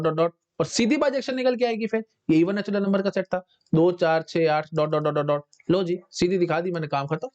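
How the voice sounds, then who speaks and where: A man teaching a recorded math lecture in mixed Hindi and English. He keeps checking in with his students and dictates definitions slowly, word by word. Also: high-pitched, a little mellow, highs cut off. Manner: repetitive, checks in with "है ना?" and "ठीक है". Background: dogs barking outside.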